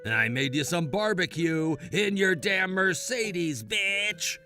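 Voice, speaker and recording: A man's voice: high voice, animated, slow pace, bright, forceful tone, faint music behind, pitched above the performer's own voice, full character voice. A man voicing a spiteful, crude bully of a boss who sneers and cackles. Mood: sneering.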